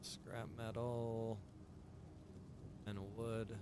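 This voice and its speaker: A man livestreaming a survival roleplay game, chatting casually and informally as he thinks out loud. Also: on the low side, monotone, drawn-out words, background noise. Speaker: game livestreamer and server developer.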